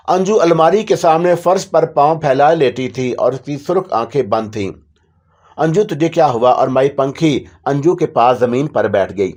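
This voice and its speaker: A man reading a scripted horror story in a steady, dramatic way. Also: fairly high pitch.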